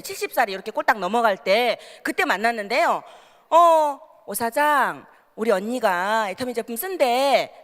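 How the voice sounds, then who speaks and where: A woman from the Gyeongsang region giving a motivational seminar talk, telling stories with frequent questions to the audience. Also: a little high. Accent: Gyeongsang Korean. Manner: lively storytelling with asides to the audience. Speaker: seminar speaker. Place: seminar hall. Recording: reverberant hall.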